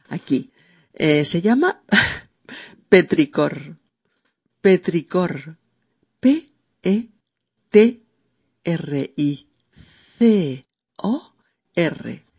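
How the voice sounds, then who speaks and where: A podcast host who explains unusual words in a chatty, musing way and spells them out letter by letter. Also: mid-range voice.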